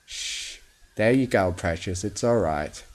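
A man playing a calm, kindly old pony. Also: on the low side, natural voice. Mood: calm, soothing. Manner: conversational, measured, gentle.

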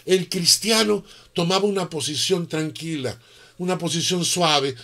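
A middle-aged male pastor preaching a sermon in an animated, emphatic way, full of rhetorical questions. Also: fairly high pitch, a little slow.

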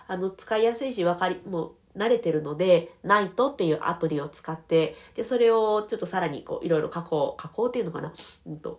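A woman's voice: fairly low pitch, a little mellow. A woman voice trainer with a Kansai accent, hosting a casual livestream, reading comments politely and laughing often while recovering from a sore throat. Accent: Kansai Japanese. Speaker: voice trainer and podcast host.

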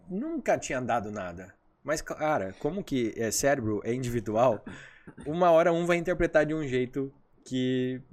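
A man who works as a hypnotherapist, guest on a podcast, telling stories animatedly and acting out the dialogue in casual chat. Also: fairly high pitch. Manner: animated storyteller, acts out dialogue.

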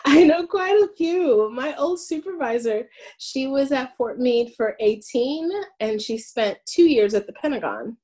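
A woman's voice: sits high, expressive, measured pace, darkish tone. A woman in her late thirties who grew up in Brooklyn and whose first language is French. She is a guest in a casual interview, answering with hesitant fillers and frequent laughs. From Brooklyn, USA. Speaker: Air Force sergeant, interview guest.

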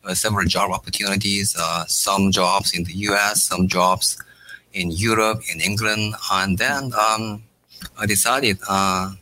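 A middle-aged man from South Korea, a native Korean speaker, answering interview questions in halting phrases full of "uh" pauses. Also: low-pitched, steady tone, bright, forceful tone, low-quality recording. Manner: halting, many "uh" fillers between short phrases. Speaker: startup founder, guest.

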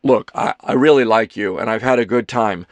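A man's voice: lowish voice, moderate pace, no echo, close to an everyday voice. A man playing an anxious, well-meaning, awkward man in an audiobook, stammering, hesitant and backtracking. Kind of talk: audiobook character dialogue.

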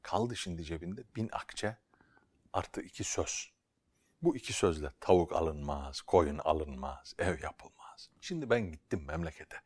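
A down-on-his-luck traveler grumbles under his breath and scolds his own foolishness, as a storyteller puts him on. He swings between hushed muttering and exasperated outbursts, in a plain man's voice. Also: low-pitched, expressive, a little slow, breathy edge, pitched below the performer's own voice, full character voice. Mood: grumbling to himself. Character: grumbling poor male traveler, worried and self-scolding.

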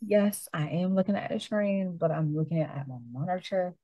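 A man co-hosting a casual show, talking in a halting way and repeating himself. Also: sits high, warm tone, a little hiss or hum. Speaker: podcast co-host. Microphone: desk setup with monitor.

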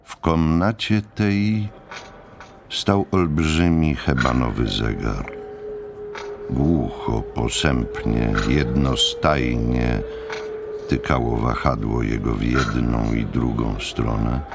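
A man giving a dramatic literary narration for an audiobook, solemn and measured. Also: very deep voice, vocal fry, over loud music.

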